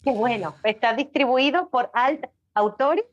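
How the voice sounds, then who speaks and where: Female guest, very high voice, informal conversational delivery. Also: moderate pace, highs cut off. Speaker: podcast guest. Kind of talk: casual chat.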